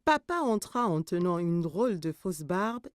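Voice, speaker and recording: A woman narrating a children's cartoon story in a gentle, expressive storytelling manner. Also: fairly low pitch, measured pace, dry recording, studio quality.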